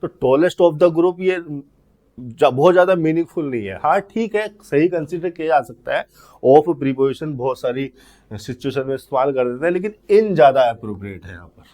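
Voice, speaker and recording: A man's voice: on the high side, animated, mellow. A man giving an exam-prep grammar lesson, who explains step by step and asks and answers his own questions. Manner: slows right down to read out example sentences word by word. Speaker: English grammar teacher.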